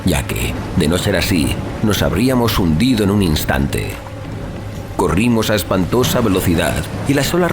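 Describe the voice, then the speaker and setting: A man narrates a dark sea story in a low, deep voice. His delivery is measured and theatrical, with lively swings in intonation, while music plays clearly underneath. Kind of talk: dramatic scripted audiobook narration of a horror sea tale.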